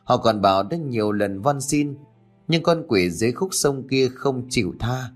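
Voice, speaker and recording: A man voicing a sickly, remorseful teenage girl in a spoken ghost story, talking in a soft, pleading way. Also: medium pitch, animated, normal speed, soft background music, pitched above the performer's own voice, close to an everyday voice. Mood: sorrowful, pleading.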